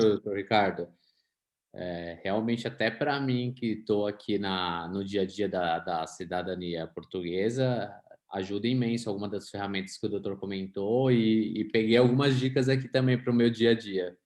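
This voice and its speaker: A man's voice: lowish voice, darkish tone. A male lawyer moderating a live webinar over a video call, asking questions with hesitations and restarts.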